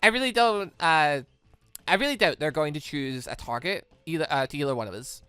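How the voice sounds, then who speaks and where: This host talks loosely through a let's play, voicing visual novel dialogue and circling back to rephrase ideas as he thinks. His mid-range voice is lively in intonation, fairly quick and smooth, with game music playing behind.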